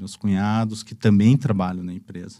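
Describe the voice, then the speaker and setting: The speaker is male. He has a dark, mellow tone. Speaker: agribusiness executive. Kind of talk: interview.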